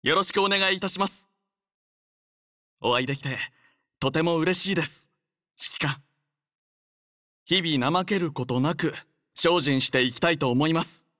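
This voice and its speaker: Anime game role: young male android soldier, slightly higher register, polite, formal, earnest and composed; dry studio sound. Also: sharp tone, dry recording. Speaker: game character voice. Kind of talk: scripted anime game voice lines.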